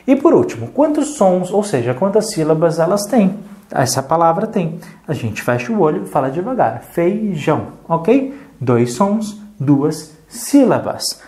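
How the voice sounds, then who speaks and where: Brazilian adult-literacy teacher, mellow tone, animated pitch, patient and encouraging. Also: measured pace. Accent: Brazilian Portuguese. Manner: patient, counts aloud, checks in with "tá bom?".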